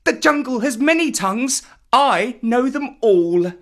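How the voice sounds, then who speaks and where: A man voicing a small, defiant, boastful jungle boy in a storybook, with an excitable childlike delivery. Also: a little slow, exaggerated voice. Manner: high, exclamatory, childlike delivery.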